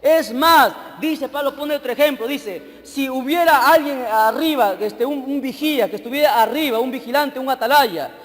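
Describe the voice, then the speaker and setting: A man, an evangelist preaching a sermon, who keeps asking his listeners short questions and swings between loud reading and quiet asides. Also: extremely high pitch, normal speed, few pauses, long reverb tail. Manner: teaching, asks the crowd short questions.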